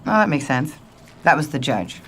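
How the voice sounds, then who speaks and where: A middle-aged mother in an audio drama, wry and a little weary. Her voice is low and very expressive in pitch, with casual, halting delivery. The tape is clearly noisy. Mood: matter-of-fact. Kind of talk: naturalistic audio drama dialogue. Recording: noisy field-tape sound with clicks.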